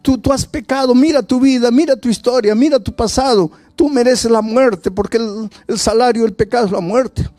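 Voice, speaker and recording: Taunting devil, as a preacher puts him on, high sneering accuser voice, mellow timbre. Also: male voice, normal speed, no echo. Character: the devil, mocking male accuser.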